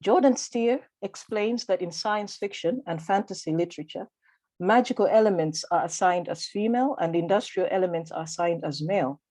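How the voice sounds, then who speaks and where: Woman with a Malawian accent, low mellow voice. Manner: measured, formal and deliberate. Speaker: conference speaker. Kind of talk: reading a prepared academic paper.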